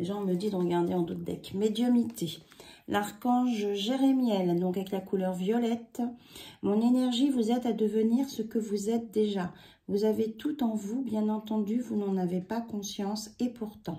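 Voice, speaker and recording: A woman's fairly high, somewhat breathy voice with a dark, mellow tone, at a fairly slow pace. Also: fairly even intonation. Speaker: tarot card reader. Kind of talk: card reading. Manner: hesitant.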